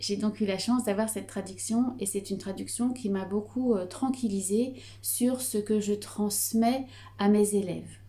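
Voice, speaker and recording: A middle-aged woman with a Breton French accent, teaching Reiki calmly with frequent hesitations and fillers. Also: medium pitch, moderate pace. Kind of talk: explanatory video lesson.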